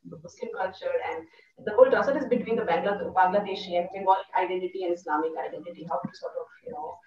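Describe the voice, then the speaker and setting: A woman's voice: lowish voice, quick pace, a crowd in the background. A young woman, lecturing thoughtfully on a video call with many fillers. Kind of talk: academic discussion on a video call. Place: room indoors. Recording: echoey, distant, muffled video call audio.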